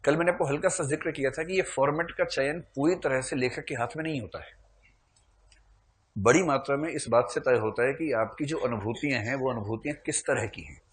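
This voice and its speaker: A man's voice: medium pitch, fairly quick. A male teacher delivers a classroom lecture in an easy, conversational manner. He slips in humorous asides and keeps checking in with his listeners as he explains.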